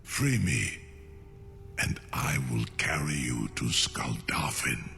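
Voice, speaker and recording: A proud, scheming ancient dragon for a fantasy video game. The voice is very deep and thick with gravel, and it moves slowly and formally, weighing each phrase with imperious care. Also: male voice, very animated, pushed and bright, in a large hall, faint music behind, full character voice. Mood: sly, bargaining. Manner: slow, deliberate, formal and imperious. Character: ancient captive male dragon, proud, cunning and grandiose.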